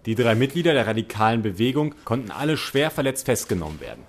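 A man's voice: medium pitch, very animated, quick pace. A man playing an earnest, respectful junior police constable in a crime audio drama. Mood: earnest, admiring. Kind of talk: radio play acting.

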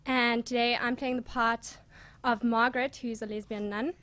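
A woman's voice: a little high, level tone, moderate pace, a bit bright. A woman performer giving a live self-introduction to an audience. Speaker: performer and set designer.

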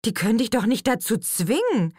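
A bubbly young woman, excitable and gushing, her voice pitched high and bright, as a female audiobook reader puts her on. The chirpy lines are heard in a dry, close studio sound. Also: brisk, husky, no room sound.

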